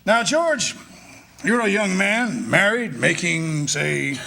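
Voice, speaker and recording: A bossy rich old schemer in a radio drama, creaky voice that swoops up and down, condescending. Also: male voice, sits high, sing-song, slow, pushed and bright, full character voice. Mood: sly, condescending. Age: older. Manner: wheedling, condescending, commanding. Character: scheming rich old man, domineering, sly and impatient. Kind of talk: staged 1940s radio drama acting.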